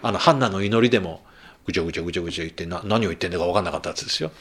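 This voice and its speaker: A man's voice: low voice, very fast, slightly rough. A male pastor giving a sermon in a conversational manner, asking the congregation questions and rising to emphatic bursts.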